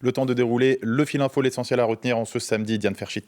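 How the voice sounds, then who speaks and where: A man hosting a radio interview, asking questions briskly with hesitant fillers. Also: mid-range voice, fairly even intonation.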